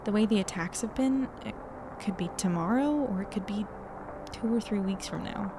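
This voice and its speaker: A woman's voice: medium pitch, moderate pace, lightly acted. Casual young woman, acting, noise behind. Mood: reflective, uneasy. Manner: casual, reflective. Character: reflective, practical young narrator among a group of friends. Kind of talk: first-person audio drama narration and dialogue.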